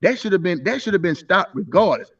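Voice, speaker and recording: A man's voice: sits high, expressive, quick pace, a bit bright, slightly rough. A man in his thirties arguing insistently in a live stream debate, stumbling through repeated restarts. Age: 30s. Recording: muffled voice from a distance.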